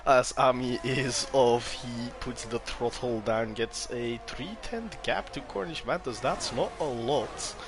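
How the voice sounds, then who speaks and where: A man doing live commentary on a sim race, his voice jumping up with excitement whenever the action picks up. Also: mid-range voice, slow pace, few pauses.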